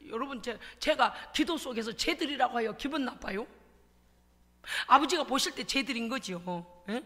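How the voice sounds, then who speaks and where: A middle-aged woman pastor preaching a dramatic sermon in a church, acting out her own prayers with sobs and shouts. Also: high voice. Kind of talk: animated sermon. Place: church sanctuary. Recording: long hall reverb.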